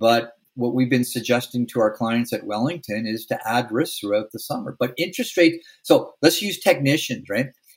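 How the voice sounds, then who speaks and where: A man with an unremarkable speaking voice talks at a moderate pace, with hardly any pauses. His pitch is medium, with ordinary variation. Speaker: market strategist. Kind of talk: interview.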